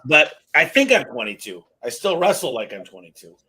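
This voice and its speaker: A man in his late thirties hosting a casual podcast interview, talking in an energetic, rambling, self-deprecating way with casual slang. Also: medium pitch, brisk, slightly rough. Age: 30s. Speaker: podcast host.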